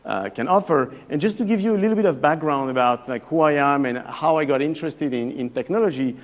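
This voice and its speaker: A man's voice: on the high side, lively intonation, fairly quick. A man in his thirties with a French accent, a professor giving an evening talk to a live audience in a chatty, hesitant way that often restarts phrases. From France. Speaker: guest lecturer, professor.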